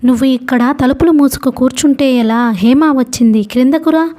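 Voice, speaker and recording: A woman reading the part of a loyal male friend who urges gently and earnestly. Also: high-pitched, moderate pace, natural voice. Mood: urging. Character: steady loyal male friend, calm and persuasive.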